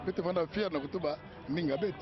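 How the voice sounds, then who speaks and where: A man's voice: a little high, fast talker. A man speaking firmly and insistently in a street interview. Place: busy street outdoors. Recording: dull lo-fi street recording with crowd.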